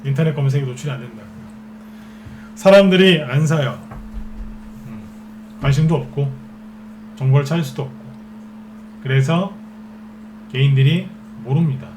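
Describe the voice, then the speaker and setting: A man's voice: mid-range voice, moderate pace, pauses often, a little mellow, a little hiss or hum. A man giving a stock trading lecture as a market expert, who keeps asking rhetorical questions and answering them himself. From Seoul capital region.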